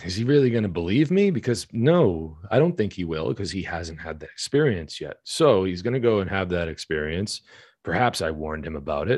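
A man talks with a very deep, low pitch and very wide pitch swings. His pace is fairly quick. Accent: American. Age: 30s. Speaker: podcast host. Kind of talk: casual chat.

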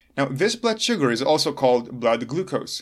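This man speaks with an Israeli accent at a fairly high pitch. His moderate pace comes through on a very clean recording with a silent background. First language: Hebrew. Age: 30s. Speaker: podcast host, longevity health educator. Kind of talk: educational monologue.

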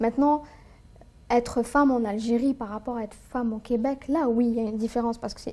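A woman speaks with a fairly high voice, a dark, mellow tone and fairly even intonation. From Algeria (Algiers). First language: Algerian Arabic (speaking French). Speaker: tax lawyer. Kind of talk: interview.

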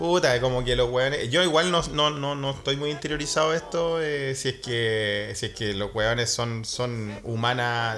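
With a Chilean accent, a man talks at a moderate pace and medium pitch with ordinary pitch variation, amid audible room echo and noticeable background noise. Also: hardly any pauses. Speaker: podcast host. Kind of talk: casual chat. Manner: animated.

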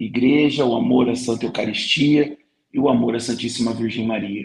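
A man's voice sits at a medium pitch, moving at a moderate pace with flat, monotone intonation. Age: 40s. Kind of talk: interview about faith and community life.

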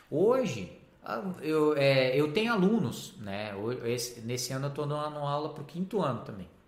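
A man's fairly high voice with very wide pitch swings, a fairly slow pace and audible room echo. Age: 30s. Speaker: primary school teacher. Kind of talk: live online class, conversational. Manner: halting, many fillers and restarts.

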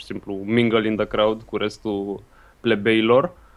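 Fairly slow male speech amid noticeable background noise. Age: 20s. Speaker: live streamer, game dev student. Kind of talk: casual chat.

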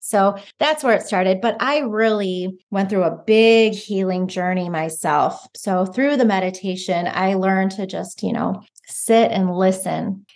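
Using an ordinary speaking voice, a woman of medium pitch speaks at a fairly slow pace with ordinary pitch variation. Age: 40s. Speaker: movement and meditation teacher. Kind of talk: casual interview.

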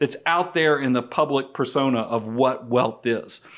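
A man with an American accent talks in an animated tone. His pitch is fairly high. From US South. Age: 40s. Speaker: financial advisor and podcast host. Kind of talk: casual chat. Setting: studio.

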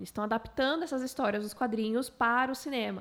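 A fairly high-pitched woman's voice with vocal fry at a fairly quick pace. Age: 20s. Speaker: podcast host. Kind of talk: casual chat.

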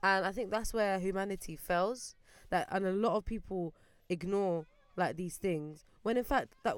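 A woman in a London accent talks at a moderate pace and medium pitch with ordinary pitch variation. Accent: British, London-style. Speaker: podcast co-host. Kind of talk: casual chat.

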